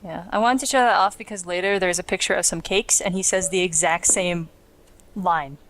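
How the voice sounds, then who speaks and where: A woman's voice: lowish voice, normal speed, a bit bright. A woman hosting a video game playthrough with casual, sarcastic commentary and the odd swear word. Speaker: let's play host. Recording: game music behind the voice. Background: video game music.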